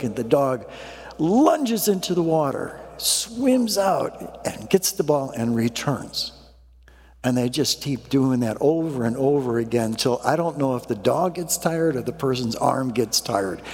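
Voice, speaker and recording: A male pastor tells a folksy, chuckling story from the pulpit to open his sermon. His voice sits in a middle pitch and carries a long reverb from the church hall around him.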